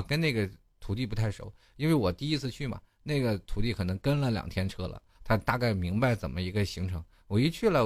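A man hosting a studio show, telling a comic anecdote in an animated way and laughing at his own story. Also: fairly low pitch, no room sound.

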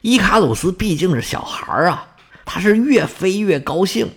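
A man's voice: high voice, lively intonation, moderate pace, fairly bright tone, husky. A man telling a myth in vivid, colloquial storytelling style with dramatic emphasis and sound words. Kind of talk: Chinese folk-style storytelling of myths.

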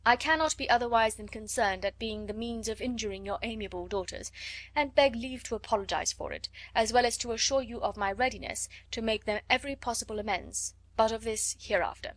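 A pompous, wordy young clergyman, as a woman reader puts him on, formal and long-winded in every phrase. The voice stays on the high side and sits dry and close. He sounds full of his own importance. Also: brisk, no echo, lightly acted. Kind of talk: audiobook character voice.

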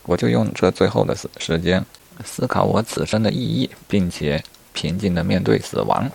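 A man's voice: low-pitched, lively intonation, normal speed, creaky, darkish tone, breathy edge, voice pushed up, heavily acted. A man telling a story and voicing a talkative male rabbit who reasons earnestly about the meaning of his life before death. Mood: earnest musing.

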